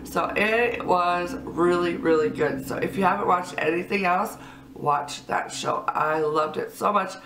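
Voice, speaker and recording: A woman's voice: lowish voice, a little slow, a bit bright, echoey room, recorded from a distance, slight background noise. A woman in her thirties, congested from a cold, chatting upbeat to camera about her monthly favorites. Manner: chatty, upbeat, lots of fillers. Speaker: vlogger. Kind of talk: casual chat to camera.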